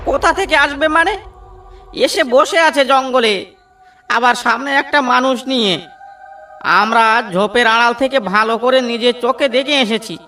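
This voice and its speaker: A man's voice: extremely high pitch, moderate pace, bright, forceful tone, far from the mic, soft background music. A man voicing a panicked young woodsman in a cartoon. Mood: frantic.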